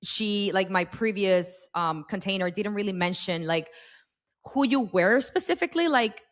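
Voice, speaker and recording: A woman's voice: medium pitch, animated, normal speed. A young adult woman hosting a podcast interview, chatting casually with plenty of fillers as she rambles toward her question. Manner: rambling, heavy use of fillers. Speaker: podcast host.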